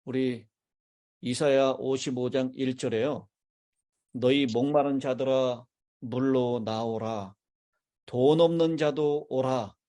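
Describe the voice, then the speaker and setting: A man's voice: mid-range voice, steady tone, slow pace, warm tone. A man, a pastor, preaching a sermon in a church and putting questions to his congregation. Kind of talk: sermon with congregation call-and-response. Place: church sanctuary.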